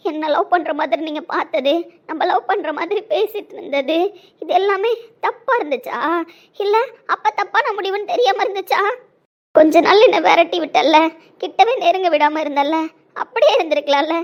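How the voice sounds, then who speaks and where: A woman plays a young woman in love who is hurt and desperate. She pleads and presses the same words again and again, in a bright, high voice. It is an emotional audio drama. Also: normal speed, highs cut off. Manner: pleading, repeats herself insistently. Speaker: lead character in an audio drama.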